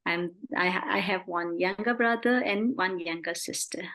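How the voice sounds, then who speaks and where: A middle-aged Burmese nun with a Burmese accent, answering interview questions in an unhurried, gentle way. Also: female voice, lowish voice. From Burma. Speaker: Buddhist nun, interview guest.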